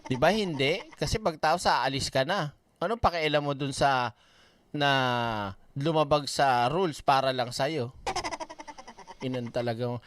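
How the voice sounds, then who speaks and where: A man's voice: medium pitch, unhurried, long pauses, fairly bright tone. A man doing casual ranting commentary, blunt and swearing often, reading viewer comments aloud. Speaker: online commentator.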